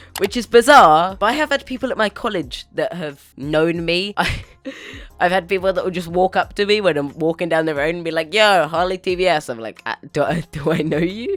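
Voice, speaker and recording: In a British accent, a man speaks with a high pitch and lively intonation at a fairly quick pace. The recording is very clean, with a silent background. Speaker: YouTuber. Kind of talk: casual talk to camera.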